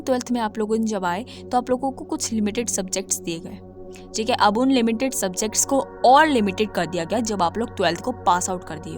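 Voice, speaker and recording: Woman, slightly hoarse, emphatic tutor, casual lesson, faint music behind. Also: mid-range voice. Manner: emphatic, repeats points, mixes English terms into speech. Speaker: coding tutor. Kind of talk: casual talk-to-camera lesson.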